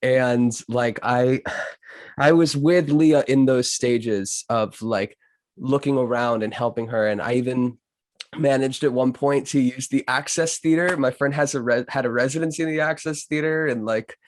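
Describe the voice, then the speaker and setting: Male podcast host, mid-pitched, effusive and halting chat, dry recording. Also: steady tone, no echo. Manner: gushing, halting, peppered with filler "like". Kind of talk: casual interview chat.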